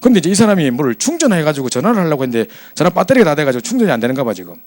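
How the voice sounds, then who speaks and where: A man preaching to young adults as their pastor, telling a story in a chatty, animated way. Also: on the high side, racing.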